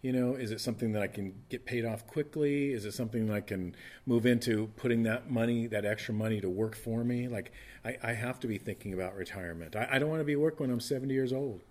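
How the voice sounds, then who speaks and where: A man's voice: mid-range voice, fast talker, few pauses, a little mellow. Fifty-year-old man preaching conversationally. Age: 50s. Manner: conversational preaching with frequent restarts and repeated words. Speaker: pastor. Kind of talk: sermon.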